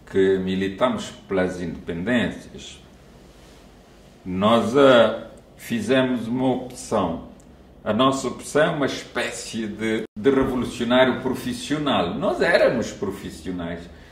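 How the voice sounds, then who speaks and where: Audible room echo hangs around this speaker's voice. He talks very slowly, and he is a man. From Cape Verde. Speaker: former independence fighter and head of state. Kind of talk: oral history interview answer. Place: office.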